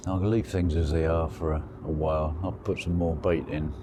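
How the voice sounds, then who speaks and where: Very low, croaky man outdoors. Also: brisk. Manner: relaxed, rambling, thinking aloud. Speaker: angler vlogger. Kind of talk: casual spoken fishing diary. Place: outdoors at a lake bank. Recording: outdoor recording with clear background noise.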